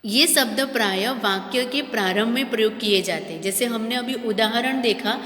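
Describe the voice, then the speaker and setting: A woman teacher explaining a grammar lesson to schoolchildren, slowly and deliberately, repeating definitions and speaking to the children directly. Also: a little high, fairly bright tone. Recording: echoey room with long reverb.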